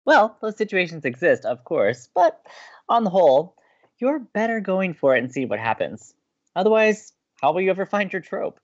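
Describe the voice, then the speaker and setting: Slightly dull, lo-fi audio carries a man acting an upbeat male college radio host in a romantic comedy drama. His delivery is lively and melodic, with a breezy, teasing playfulness. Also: sits high, moderate pace. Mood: breezy, encouraging.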